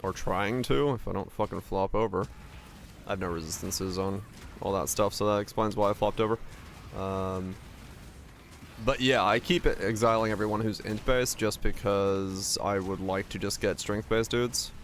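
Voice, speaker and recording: A man with a raspy voice giving loose, profane live commentary as a game streamer and answering chat offhand. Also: lowish voice, fairly even intonation, moderate pace, a little hiss or hum. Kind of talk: casual live gameplay commentary.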